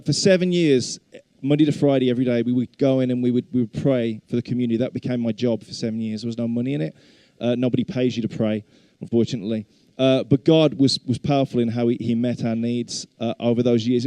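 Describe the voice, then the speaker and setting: A man's voice: mid-range voice, warm tone, dry recording. A middle-aged man with a Black Country accent gives an informal sermon in a chatty, self-deprecating way. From English Black Country. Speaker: guest preacher and worship leader.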